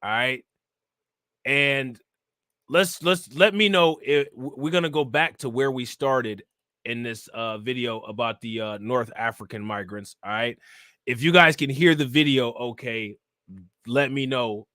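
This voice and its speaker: A man's voice: medium pitch, measured pace, bright, forceful tone, no room sound, clean studio sound. A man reacting to news clips as a streamer, talking in loose slang and laughing often. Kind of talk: casual commentary.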